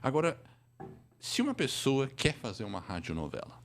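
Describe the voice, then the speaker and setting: Brazilian man, podcast host with lively intonation. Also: medium pitch, moderate pace, vocal fry, faint music behind. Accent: Brazilian Portuguese. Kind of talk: casual live interview.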